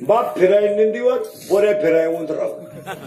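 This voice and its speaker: A high-pitched male voice. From Maharashtra, India. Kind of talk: comedy kirtan sermon to a live audience. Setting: live gathering with audience and microphone. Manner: humorous, punchy, preachy with jokes and audience interaction.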